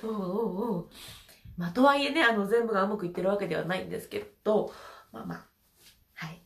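A woman's voice: mid-range voice, fast talker, echoey room. A woman with a stuffy nose from hay fever, leading a casual voice lesson, chatty and laughing often. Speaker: voice trainer.

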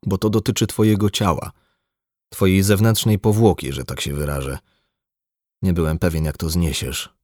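A man voicing a blunt, embittered, drunk male doctor in an audiobook, gruff and lecturing. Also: deep voice, steady tone, moderate pace, a little mellow, no room sound, clean studio sound. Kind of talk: audiobook dialogue.

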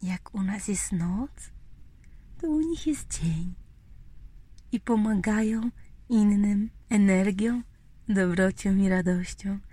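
Very slow whispering woman telling a children's story. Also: mid-range voice, no echo. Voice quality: whispery, breathy. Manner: slow, gentle, addressing little children with repetitions and questions.

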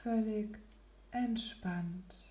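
Woman doing soft spa whisper meditation, really slow n mellow, bit of room echo. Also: mid-range voice. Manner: soft, breathy, near-whispered spa-like delivery; slow, gentle, with long pauses. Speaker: guided meditation leader. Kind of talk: guided relaxation meditation.

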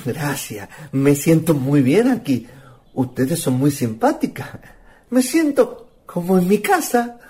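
A woman playing a shy, courteous young man with a husky voice and a Chilean accent in a radio play, speaking politely and haltingly. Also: low voice, sing-song, mellow, heavily acted. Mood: bashful, grateful. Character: shy, courteous young male visitor from town.

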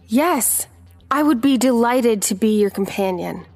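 A woman's voice: fairly high pitch, animated, a little slow, a little mellow. A woman playing an eager, servile young mortal girl in an audio drama, speaking in a deferential, earnest way.

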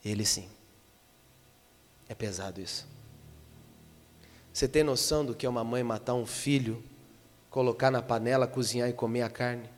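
A man preaching a sermon as pastor, dropping to a hush and then rising to loud, impassioned appeals. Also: mid-range voice, normal speed, pauses often. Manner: impassioned, swings from hushed to loud. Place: church. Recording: long church reverb.

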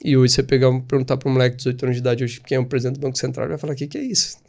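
A man's voice: medium pitch, very fast, creaky. A man in his thirties from Espírito Santo with a Brazilian Portuguese accent, a podcast guest talking casually and animatedly about his life. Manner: animated, chatty, frequent tag questions. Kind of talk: casual storytelling interview.

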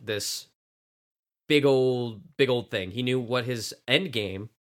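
A man hosts a relaxed group discussion with a slight lisp. He tells stories in an animated way, acting out what people said, in a voice of ordinary middle pitch. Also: slow. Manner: animated anecdote telling, acting out quoted lines. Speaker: podcast host. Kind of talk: casual group chat.

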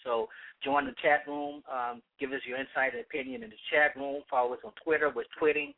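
A man, a pastor, hosting a live call-in radio talk show, speaking conversationally with frequent restarts and preacherly rises, his voice going hoarse. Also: medium pitch. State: losing his voice. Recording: tinny phone-like line.

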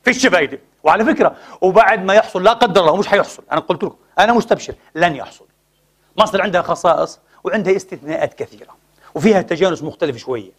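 A man's voice: sits high, very fast, fairly bright tone. A Palestinian man preaching a Friday sermon in a mosque, impassioned and mixing colloquial speech with formal phrasing.

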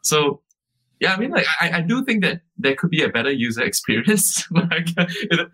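A man's voice: a little high, sing-song, brisk, pushed and bright, breathy edge. A man who co-founded a startup, answering interview questions casually, with many fillers like "like" and "uh" and frequent restarts. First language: English.

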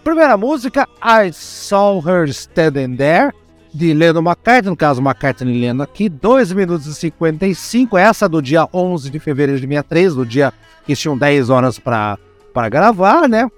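Animated Brazilian man with a Curitiba accent. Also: a little high, normal speed, faint music behind. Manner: animated, chatty, laughs often, many fillers. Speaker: podcast host. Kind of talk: casual podcast chat about music albums.

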